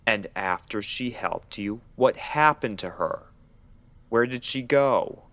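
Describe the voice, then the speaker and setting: A man's voice: mid-range voice, slow, pushed and bright, dry recording, voice pushed up. A man voicing a guarded, authoritative pony doctor who questions clinically in an audio story. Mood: pressing. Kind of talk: dramatic audio story acting.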